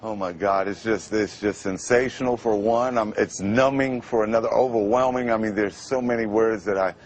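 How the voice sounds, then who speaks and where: A man in his fifties from Brooklyn speaks in a lowish voice as a guest on a live TV interview. He stumbles and restarts often, sounding emotional and halting. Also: a little hiss or hum. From Brooklyn, New York. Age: 50s.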